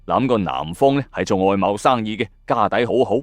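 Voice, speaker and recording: Animated Hong Kong Cantonese male storyteller. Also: fairly low pitch, fairly quick, no room sound. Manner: suspenseful, colloquial, exclamatory asides. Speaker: host of a ghost story audio channel. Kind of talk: dramatic late-night storytelling narration. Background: background music.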